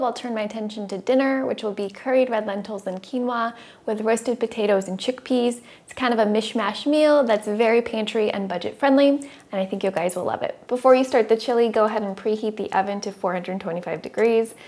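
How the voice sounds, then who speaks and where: A woman in her thirties with a fairly high voice walks through recipes step by step. She sounds upbeat and clear, like a cooking host talking to her viewers from a home kitchen. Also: a little mellow, a little hiss or hum. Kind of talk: recipe instruction with voice-over.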